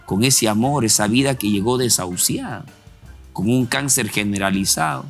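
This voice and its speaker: Hosting a Christian program, a man comments on a testimony in a preacherly, reflective way and quotes scripture, giving it the feel of sermon-like interview commentary. His mid-range voice is creaky and moves at a moderate pace. Soft music plays in the background.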